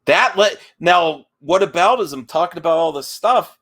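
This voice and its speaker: A man arguing defensively in an unscripted online debate, speaking in a halting, argumentative way. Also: fairly high pitch, expressive, fairly bright tone. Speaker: debate guest.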